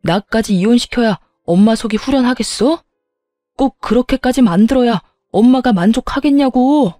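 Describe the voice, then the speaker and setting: A woman's voice: fairly high pitch, normal speed, dry recording, faint music behind, close to an everyday voice. A woman voicing a furious grown son who reproaches his mother and coldly breaks ties with her, in a scripted story. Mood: bitter. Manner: shouting reproach, then cold resolve.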